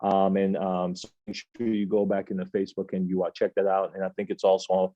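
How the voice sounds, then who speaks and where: A man in his thirties hosting an office team meeting, reading out announcements in a relaxed, chatty way with plenty of filler sounds. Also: sits low, fairly quick, no echo, highs cut off. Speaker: agency meeting host. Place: office meeting room, indoors.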